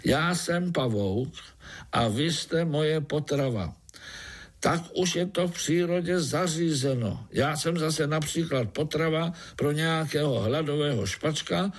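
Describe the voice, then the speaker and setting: A man's voice: fairly high pitch, husky, voice pushed up. A man voicing a touchy young spider. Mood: slow, reasoning. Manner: roars when offended, then explains slowly. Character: young male spider, puzzled and hot-tempered.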